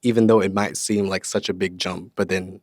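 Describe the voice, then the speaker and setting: Low-voiced man hosting a podcast. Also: a little fast, no room sound, studio quality. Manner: relaxed, chatty, with fillers and restarts. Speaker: podcast host. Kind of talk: casual interview.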